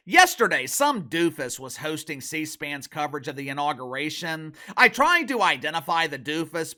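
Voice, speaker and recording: Lively, bright-voiced sarcastic man. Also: a little high. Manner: sarcastic, mocking, emphatic. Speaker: online commentary host. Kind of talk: opinionated commentary to camera.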